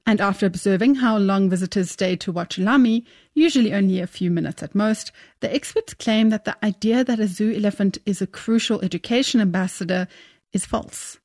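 A woman reporting a radio news story in a measured, clear delivery. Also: medium pitch, darkish tone, dry recording, clean studio sound.

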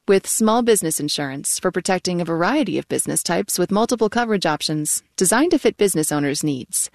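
A woman's voice: on the low side, no room sound, clean studio sound. Woman reading radio sponsor credits. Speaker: sponsorship announcer. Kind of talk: scripted announcements.

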